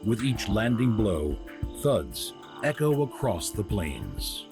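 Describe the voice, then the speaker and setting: A man giving scripted nature documentary narration in a measured, dramatic way, with grand descriptive phrasing. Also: fairly low pitch, wildly swooping pitch, creaky. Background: music behind the voice.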